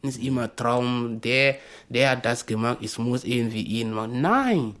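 A man's voice: mid-range voice, lively intonation, a little slow, a bit bright. A man in German, giving off-the-cuff advice in short, emphatic bursts. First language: not German. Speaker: interviewee. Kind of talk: unscripted personal advice.

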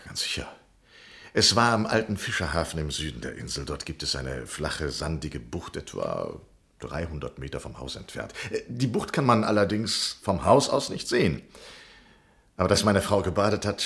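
Gravelly, sardonic English gentleman. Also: extremely low pitch, sing-song, exaggerated voice. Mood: bitter, measured. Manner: haughty, deliberate, sarcastic. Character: bitter, sardonic paralysed English gentleman, retired colonel. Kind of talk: German radio crime drama acting.

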